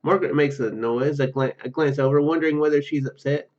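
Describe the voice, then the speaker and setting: A gaming YouTuber with a somewhat high, darkish voice reads visual novel narration aloud while playing, tossing in casual asides. His intonation stays fairly even, he halts and stumbles over words, and the audio sounds a bit dull and lo-fi.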